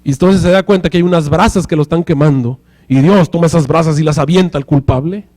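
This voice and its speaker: A man preaches to his congregation, his voice sitting notably high for a man. He teaches steadily and keeps turning to the room with questions like a teacher checking in. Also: fast talker, a little mellow. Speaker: pastor. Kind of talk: sermon.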